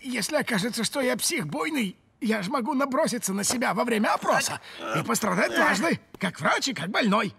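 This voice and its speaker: A man voicing a befuddled, cranky old grandfather in a cartoon, muttering and stammering excitably. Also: extremely high pitch, brisk, vocal fry, breathy edge, exaggerated voice. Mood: cranky, earnest. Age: older. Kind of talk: animated cartoon acting.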